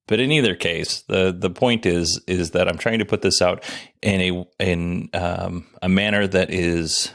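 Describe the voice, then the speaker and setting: A man hosting a solo podcast, talking casually about a company event with a dry, self-deprecating manner and what he calls a monotone voice. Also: sits low, unhurried, vocal fry. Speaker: podcast host.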